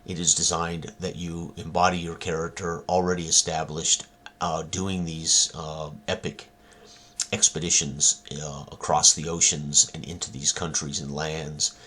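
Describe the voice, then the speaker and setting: A man presenting his own tabletop roleplaying game in casual talk, halting with many ums and uhs. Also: extremely low pitch, flat delivery, sharp tone.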